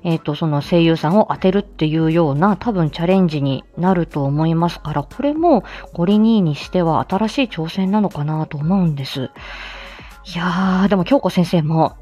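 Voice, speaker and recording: A woman's voice: on the low side, lively intonation, moderate pace, dark tone. A woman voice actress chatting casually about her drama, with lots of fillers and frequent laughs. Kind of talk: casual livestream chat. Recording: slightly dull audio with faint music.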